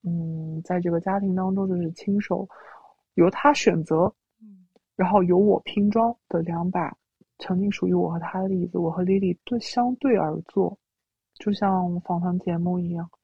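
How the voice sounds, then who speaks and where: A woman recounts a personal story as an interview guest, often quoting what she said. Her voice runs through a voice changer and sounds gravelly and husky. The audio is dry and dull, with a lo-fi feel. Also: lowish voice, steady tone, normal speed, no echo. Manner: recounts events, quoting her own words.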